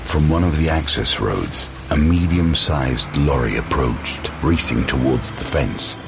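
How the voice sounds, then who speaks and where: A man narrating an action thriller audio drama in a scripted, dramatic style with measured pauses. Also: extremely low pitch, creaky, noisy background. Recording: loud music bed. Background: loud dramatic music.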